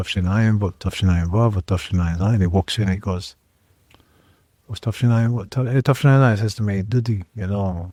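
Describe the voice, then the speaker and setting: A dark, mellow tone comes through at a fairly quick pace in a very clean recording with a silent background and a dry, close sound free of echo. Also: man, fairly low pitch for a man. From Israel, Jerusalem. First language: Yiddish. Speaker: insurance financial planner, former teacher. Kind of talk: interview storytelling. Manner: animated, repetitive false starts.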